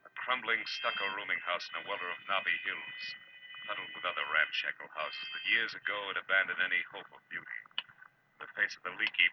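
Male actor as a low-voiced, hard-boiled private eye. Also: natural voice. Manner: terse, sardonic, world-weary. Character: tough, wry, hard-boiled private detective, a man. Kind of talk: 1940s radio drama narration and dialogue. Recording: dull, noisy vintage radio recording.

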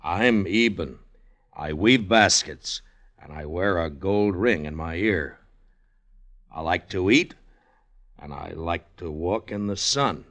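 Slow, grumbling gypsy man. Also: sits low, a bit bright, exaggerated voice. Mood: wry. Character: slow, food-loving, grumbling male gypsy basket weaver. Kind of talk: 1950s radio drama acting.

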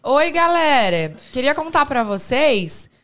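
A slow, sing-song parody of an influencer reading a sponsored script word by word, as a Brazilian woman puts her on. The voice sits high and drags each phrase out with no feeling behind it. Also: very animated, very noisy, full character voice. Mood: mocking. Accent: Brazilian Portuguese. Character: bored female influencer reading ad copy.

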